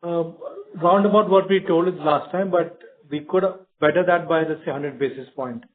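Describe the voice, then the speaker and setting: Higher-voiced male executive on phone line. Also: steady tone, moderate pace. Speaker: company executive. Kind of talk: informal answers on an earnings conference call. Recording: thin telephone conference line.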